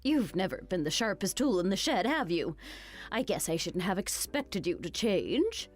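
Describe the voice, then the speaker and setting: A woman voicing a cruel, greedy older mother-in-law who mocks and insults in an animated story. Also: mid-range voice, normal speed. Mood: sneering. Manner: sneering, insulting, mocking.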